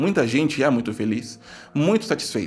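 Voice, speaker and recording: Against music in the background, a man talks at a moderate pace in an animated tone, his pitch swinging very widely. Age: 30s. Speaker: spiritual teacher and tarot reader. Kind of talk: opinion monologue to camera.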